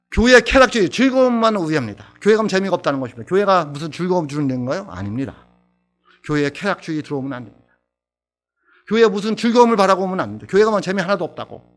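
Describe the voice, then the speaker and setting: With music in the background, a man speaks very fast at a high pitch, making very wide pitch swings and big swings in loudness. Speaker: pastor. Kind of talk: sermon.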